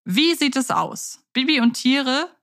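A woman's voice: high voice, animated, measured pace, a bit bright. A woman co-hosting a podcast, chatting casually and thinking aloud with fillers. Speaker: podcast co-host.

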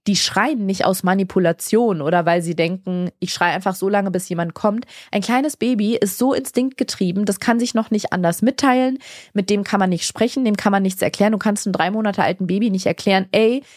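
A woman's voice: medium pitch, brisk, darkish tone, no room sound, clean studio sound. A woman in her thirties co-hosting a podcast, speaking earnestly and reflectively in a long casual conversation. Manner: earnest, reflective, talks at length with many restarts. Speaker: podcast co-host.

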